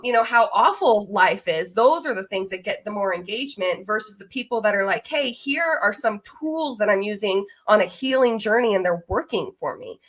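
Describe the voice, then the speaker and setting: A woman's voice: a little high, a bit bright. Chatty woman hosting a casual interview. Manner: chatty and informal, with mild swearing. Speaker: podcast host interviewing a guest.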